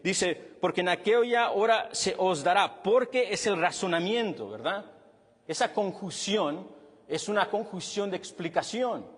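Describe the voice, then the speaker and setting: A male pastor preaching a sermon with a husky voice, animated and then dropping low and quiet to stress a point. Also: a little slow. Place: church hall with long reverb. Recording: reverberant church hall.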